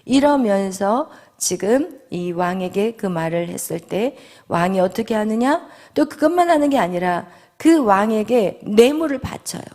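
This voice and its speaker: A woman pastor giving a sermon, reading scripture aloud in a loud, formal voice and preaching in a conversational tone. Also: mid-range voice, expressive, unhurried.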